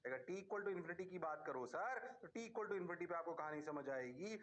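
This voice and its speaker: Male physics teacher, high voice, playful and singsong, quizzes students and answers for them. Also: expressive, normal speed, a bit bright, slight background noise. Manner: playful, rhyming catchphrases. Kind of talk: online lecture to students.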